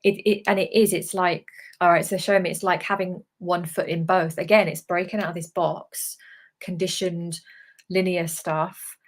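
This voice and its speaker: A woman speaking as a spiritual medium in a live channeling session, relaying guidance in a halting, emphatic way with repeated phrases. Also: lowish voice, flat delivery. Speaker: spiritual channeler relaying messages from guides to viewers.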